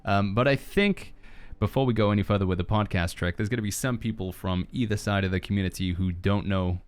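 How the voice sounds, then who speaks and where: A man's voice: lowish voice, fairly quick, clear, resonant tone. A man hosting a podcast in a casual, joking, rambling chat style. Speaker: podcast host.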